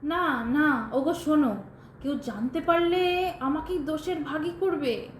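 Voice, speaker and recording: A woman's voice: high voice, a little slow. A woman playing an anxious, dutiful young wife in an audio drama, emotional and imploring, in an echoey room. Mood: fearful pleading. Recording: echoey room, faint background noise.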